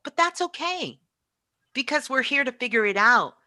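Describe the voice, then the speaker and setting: A woman's voice: sits high, lively intonation, moderate pace, bright, forceful tone. A woman giving an impassioned spiritual talk as a guest teacher, emphatic and repetitive like a preacher.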